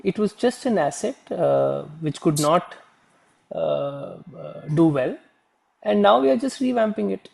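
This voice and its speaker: A man with an Indian accent answering questions on an earnings call as a company executive, in a formal, measured, corporate manner. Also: high-pitched, big pitch swings, gravelly, a little mellow.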